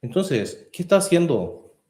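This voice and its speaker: A man preaching a sermon as pastor, earnest and rising to forceful emphasis. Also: fairly high pitch, very animated, a little slow, echoey room. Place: church hall.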